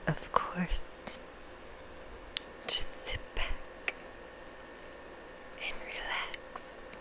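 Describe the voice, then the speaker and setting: A woman voicing a seductive, courtly vampire hostess for ASMR, soothing and sinister, in a slow, hushed half-whisper. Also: poor audio. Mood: soothing, inviting. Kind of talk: ASMR roleplay, bedtime storytelling. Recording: clear background noise.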